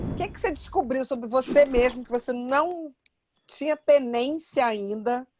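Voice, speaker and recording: A woman's high-pitched voice keeps a moderate pace, showing ordinary pitch variation. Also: long, frequent pauses, big swings in loudness. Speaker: TV presenter, interviewer. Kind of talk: interview question.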